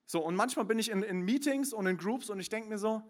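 Young guy preaching, high voice, goes quiet and chatty then loud and punchy, lots of ums. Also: fast. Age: young adult. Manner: shifts between soft confiding asides and loud emphatic preaching; many fillers and restarts. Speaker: pastor. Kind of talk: sermon.

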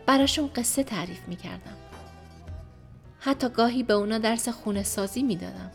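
A woman reading a first-person story aloud in a soft, subdued and reflective manner. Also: medium pitch. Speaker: audiobook narrator.

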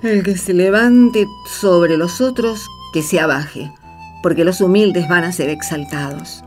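A woman's voice: on the low side, a little slow, music in the background, natural voice. An actress with an Argentine accent playing a thoughtful, devout woman in a radio drama. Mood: reflective.

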